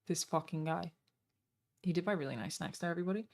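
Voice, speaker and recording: Gravelly-voiced Australian woman streamer. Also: fairly low pitch, fast. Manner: teasing, profane banter. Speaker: streamer host. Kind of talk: casual live-stream chat.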